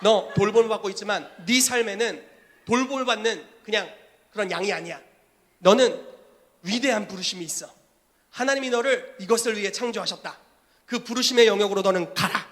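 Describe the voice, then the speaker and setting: A commanding male prophet speaks out with a high, sharp, forceful voice, as a preacher acts him out. He is emphatic and insistent. He speaks to one listener and tells him to go. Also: a little fast, long reverb tail.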